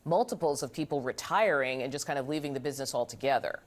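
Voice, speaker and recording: A woman with a notably low voice anchors a live news interview. She puts questions to her guest in a conversational broadcast register. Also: fast.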